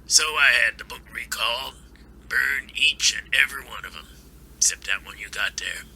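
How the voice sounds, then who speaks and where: A man's voice: mid-range voice, lively intonation, normal speed, bright, forceful tone, husky, heavily acted, low-quality recording. A man playing a wary, folksy older author with plain-spoken manners in an amateur audio drama. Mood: rueful.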